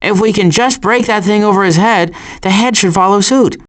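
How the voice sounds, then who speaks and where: A man's voice: high voice, normal speed, close to an everyday voice. Man voicing a wry, wisecracking cartoon woodland critter. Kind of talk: animated video game character lines.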